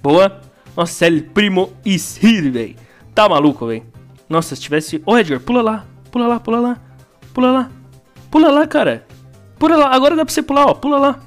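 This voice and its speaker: A young man with a Brazilian accent commentates his own gameplay, bursting into exclamations and slang. His pitch leaps up and down constantly, and faint game music plays underneath. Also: animated, a little fast, pauses often. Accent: Brazilian Portuguese. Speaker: gaming YouTuber.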